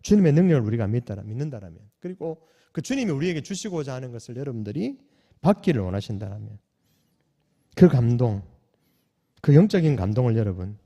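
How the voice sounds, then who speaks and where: A man preaching a sermon as pastor, asking the congregation questions and swinging between loud calls and soft, hushed lines. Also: mid-range voice, sing-song, fairly quick, lo-fi sound. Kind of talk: sermon at a night prayer meeting. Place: church sanctuary. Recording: long church hall reverb.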